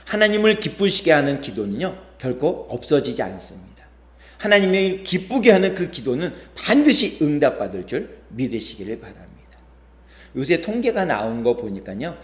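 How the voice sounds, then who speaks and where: A man's voice: on the high side, very animated, normal speed, reverberant. A male pastor preaching a sermon, telling stories with quoted voices and rising, falling emphasis. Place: church sanctuary.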